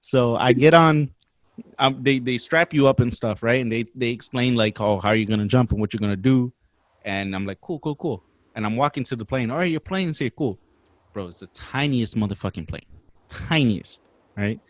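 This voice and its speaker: A man in his twenties casually telling a story on a podcast, animated and slangy, swearing freely. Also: mid-range voice, moderate pace, no room sound. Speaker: podcast guest.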